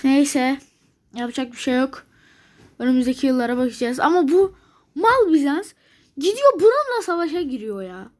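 A woman's voice: high voice, big pitch swings, normal speed, darkish tone. A woman commenting on a strategy game she is playing, grumbling in exasperation and thinking aloud to herself. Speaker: gameplay video maker.

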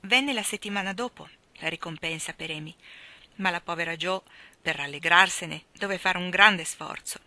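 Audiobook narrator: woman, bright voice, measured and expressive reading. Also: fairly low pitch, dry recording. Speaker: audiobook reader. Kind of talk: reading a classic novel aloud.

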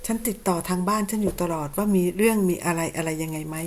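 A woman's voice: fairly low pitch, fast talker, darkish tone. A woman in her fifties from Thailand, hosting her channel with sarcastic, indignant rebuttals. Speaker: channel host. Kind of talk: combative commentary on clips.

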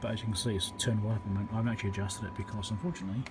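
A man's voice: lowish voice, fairly even intonation, very fast. A man giving a casual, hands-on electronics repair demonstration, talking matter-of-factly through each step as he works. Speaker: electronics repairer and video host. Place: indoor electronics workbench. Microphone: handheld camera or phone microphone. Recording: loud hiss and background noise, handheld camera.

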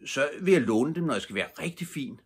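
An older man voicing an eager little boy in a storybook reading, speaking with a low, husky voice lifted higher for the child. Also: lively intonation. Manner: eager, wondering. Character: cheerful little boy at the harbor.

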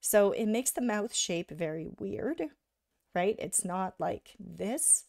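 A woman giving a live drawing lesson, talking casually while she sketches and often checking in with "right?", a little hoarse from being sick. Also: mid-range voice, animated, takes it slowly, a little mellow, no room sound, clean studio sound. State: slightly hoarse from illness. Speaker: art instructor.

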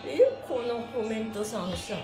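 A woman's voice: a little high, normal speed. A middle-aged woman hosting a live stretch class, chatting and instructing in a cheerful, playful, exclamatory way. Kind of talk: live-streamed exercise class and chatty announcements. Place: small bare indoor room with wooden floor. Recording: echoey room with music behind.

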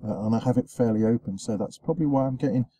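A man's voice: mid-range voice, quick pace, dark tone, no room sound. A man in his forties with a sore throat, chatting in a rambling vlog from inside a parked car, close to the camera. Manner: rambling, chatty, lots of ums and uhs. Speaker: show host. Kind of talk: casual vlog chat. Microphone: camera facing him at close range.

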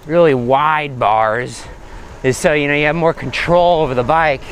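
A man's voice: fairly high pitch, moderate pace. A man chatting casually and unscripted as he rides a bicycle, rambling and hesitant as he hosts his vlog. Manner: rambling, hesitant, talking while pedalling. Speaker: cycling vlogger, host. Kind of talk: casual unscripted chat while riding. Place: outdoors on a bicycle on suburban roads. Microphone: body-worn action camera. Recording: outdoor ride with road and traffic noise. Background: faint road and vehicle noise.

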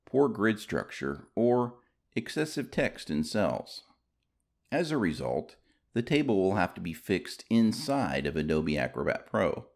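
A man reading scripted instructional narration as a tutorial narrator, in a measured, explanatory way with careful enunciation. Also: sits low, vocal fry.

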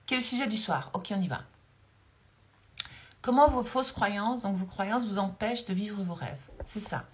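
A woman's voice: mid-range voice, moderate pace, slight background noise. A woman in her forties talking casually as a spiritual coach on a livestream, recorded on a phone held close in a dim room. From Belgium. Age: 40s. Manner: chatty, laughs often, reads viewer comments aloud.

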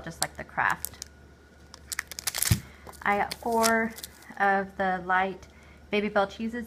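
A vlogger in her forties sits at her kitchen table doing a casual grocery haul, chatting through each item and its point value and correcting herself along the way. Her voice is medium-pitched, with background noise and loud bag crinkling close to the mic.

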